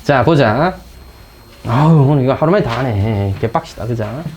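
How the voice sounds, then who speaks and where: A man's voice: medium pitch, expressive, moderate pace, darkish tone, slight background noise. A man teaching a math class, joking and teasing his students as he explains. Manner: teasing, chatty, talks straight to students. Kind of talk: classroom lecture.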